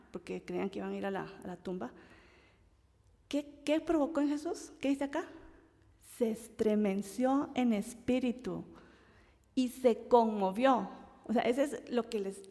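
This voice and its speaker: A woman leads a Bible study in an animated, expressive way, acting out the voices of the people she quotes. Her voice sits a little high. A long reverb trails behind each phrase. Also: vocal fry. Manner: animated, acts out quoted voices, laughs often.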